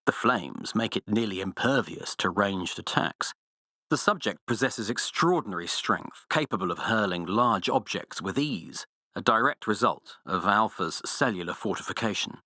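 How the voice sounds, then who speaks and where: An evil scientist game boss, arrogant n precise, forceful voice, super dry sound. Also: male voice, on the low side, expressive, normal speed, dry recording, exaggerated voice. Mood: coldly clinical. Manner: clinical, precise, formal, haughty. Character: cold, arrogant villainous male scientist, menacing and self-assured. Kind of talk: video game villain voice lines.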